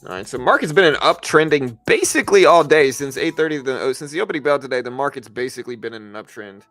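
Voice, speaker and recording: Animated and quick, with a medium pitch and fairly bright tone, this stock trader talks viewers through the markets on an informal livestream, musing aloud as he goes. Music runs behind him.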